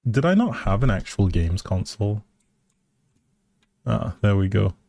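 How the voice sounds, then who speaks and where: Unhurried, low-voiced man streaming casually. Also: big pitch swings, vocal fry, dark tone, no echo. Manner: musing aloud, hesitant. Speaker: live streamer. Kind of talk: casual game stream commentary.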